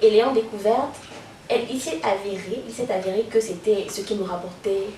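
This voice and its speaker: Against noticeable background noise, a woman with a fairly high voice speaks at a moderate pace. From Cameroon. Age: young. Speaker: voice-over artist. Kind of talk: interview answer.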